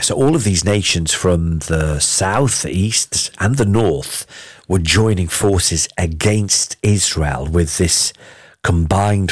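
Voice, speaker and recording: A man with a very low, husky voice reads scripture slowly and explains it in an earnest teaching tone. The sound is dry and close, with no room around it. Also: no room sound. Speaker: Bible teacher.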